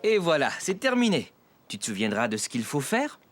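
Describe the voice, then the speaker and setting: A man playing a patient, kindly father in a French children's cartoon, encouraging and gently instructive. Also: a little high, wildly swooping pitch, normal speed.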